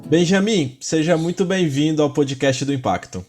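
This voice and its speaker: A man's voice: fairly high pitch, moderate pace, music in the background. A man hosting a podcast, introducing his guest and asking questions in a friendly, upbeat way. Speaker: podcast host. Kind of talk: podcast interview.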